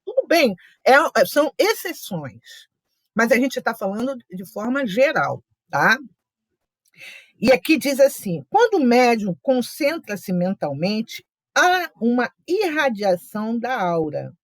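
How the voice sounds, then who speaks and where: Chatty, lively woman teaching. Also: fairly high pitch, slow, dry recording. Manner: chatty storytelling with asides and quoted remarks. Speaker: study group leader. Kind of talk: casual teaching talk.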